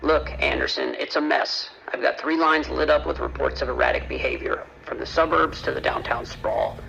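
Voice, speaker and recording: A man's voice: medium pitch, wildly swooping pitch, normal speed, vocal fry, pushed and bright, a little hiss or hum, exaggerated voice. A man playing a weary, guarded county deputy in a horror audio drama, terse and grim over a muffled police radio. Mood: grim, confiding. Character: weary, tense, guarded male county sheriff's deputy dispatcher.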